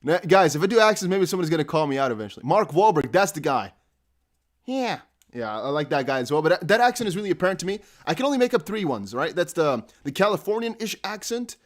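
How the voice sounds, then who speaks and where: A man's voice: high voice, sing-song, quick pace. Rambling young man from the Netherlands. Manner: rambling, laughs often, many fillers. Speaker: crypto livestream host. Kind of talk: casual live stream chat.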